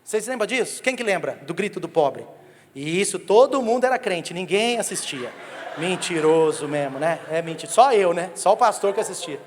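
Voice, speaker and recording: A man's voice: sits high, normal speed, slight background noise. A Brazilian man in his thirties preaching a sermon as pastor, telling humorous stories and joking with the congregation. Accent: Brazilian Portuguese. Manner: humorous, animated storytelling that jokes with the congregation. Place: church sanctuary. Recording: long reverb of a church hall.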